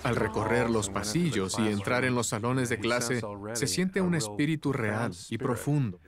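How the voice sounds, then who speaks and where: A man's voice: mid-range voice, normal speed, a loud crowd. A man giving interview remarks in an enthusiastic, reverent manner.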